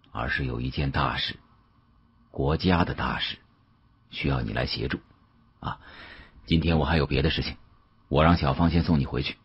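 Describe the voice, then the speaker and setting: A man voicing a grave, authoritative government bureau chief in a measured, weighty, hushed way. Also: very deep voice, husky, lo-fi sound, voice pushed down, full character voice.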